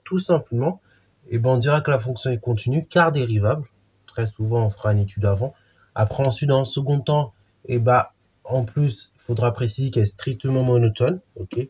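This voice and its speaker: A man's voice: medium pitch, a little mellow. A man teaching a math lesson in an informal way, with many fillers and restarts while he explains a theorem.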